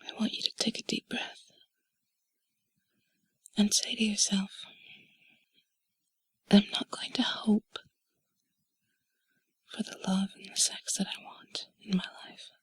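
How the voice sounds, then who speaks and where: A woman doing an intimate whispered role-play in a soft, breathy, sultry and soothing voice, speaking slowly and deliberately, close to the mic. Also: mid-range voice, little pitch movement, no echo. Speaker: intimate audio narrator. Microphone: close mic, dry.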